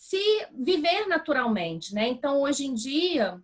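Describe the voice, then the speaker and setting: A woman's voice: sits high, very animated, measured pace. A woman with a Brazilian accent giving a guest class, explaining in a conversational way and often asking rhetorical questions. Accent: Brazilian Portuguese. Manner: frequent tag "né". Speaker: guest lecturer. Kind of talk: online class talk.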